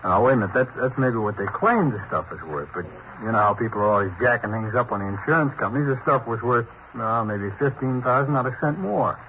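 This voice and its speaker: An actor playing a sullen small-time jewel thief in a 1950s radio crime drama, talking tough street slang in a bitter, grumbling way. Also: male voice, mid-range voice, lively intonation, a little fast, few pauses, bright, forceful tone. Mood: wheedling. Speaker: arrested suspect. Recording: dull 1950s radio broadcast, faint hiss.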